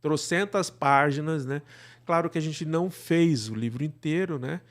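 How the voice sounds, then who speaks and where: A man with a Brazilian accent answering interview questions conversationally, explaining in a halting way and often checking with the listener. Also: fairly high pitch. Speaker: podcast guest, radio drama producer.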